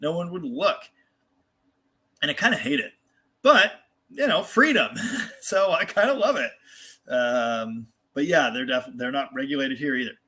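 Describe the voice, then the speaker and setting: A man's voice: fairly high pitch, animated, measured pace, long pauses, pushed and bright. An American man hosting a casual live car show, answering viewer comments in a rambling, candid, self-deprecating way. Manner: mild swearing.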